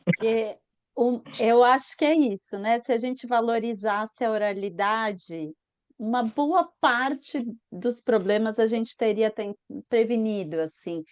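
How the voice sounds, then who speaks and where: A woman's voice: a little high, unhurried, no echo. A woman speech therapist commenting on a video call, enthusiastic and agreeing with the speaker.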